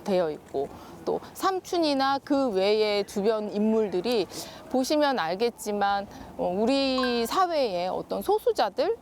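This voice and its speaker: Woman, high-pitched and very animated, expressive explainer as an interview guest, faint background noise. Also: measured pace, few pauses. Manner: expressive, explains with rhetorical questions and acted-out quotes. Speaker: guest children's literature author. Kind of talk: explanatory talk-show interview.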